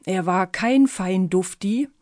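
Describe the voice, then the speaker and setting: A woman's voice: medium pitch, takes it slowly, darkish tone, dry recording, clean studio sound. A woman narrating her own children's audiobook in a playful storytelling manner. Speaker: author and narrator.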